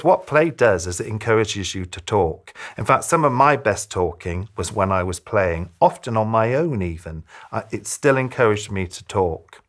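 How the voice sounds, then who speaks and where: A man in his fifties giving advice to camera as a children's author, speaking emphatically like a storyteller, with deliberate pauses. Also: on the low side. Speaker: children's author giving reading tips to parents. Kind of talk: direct-to-camera advice talk, presentational. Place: small furnished room, indoors.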